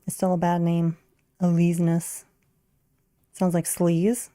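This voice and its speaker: A woman's voice: fairly low pitch, level tone, normal speed, mellow, dry recording. A young woman streaming a game, thinking aloud in a wry, musing way as she plays. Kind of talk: casual gameplay commentary.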